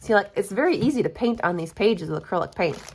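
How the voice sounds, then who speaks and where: Speaking at a fairly quick pace, a woman with a fairly high voice uses lively intonation. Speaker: crafting video creator. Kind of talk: tutorial. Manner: subdued, low energy; hesitant, many fillers.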